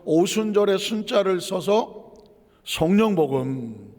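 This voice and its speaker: Male pastor, high-pitched, chatty sermon delivery built on rhetorical questions, recorded in a church with lingering reverb. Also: very animated, slow, a little mellow. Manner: conversational preaching with rhetorical questions. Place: church sanctuary. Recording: church sanctuary with long reverb.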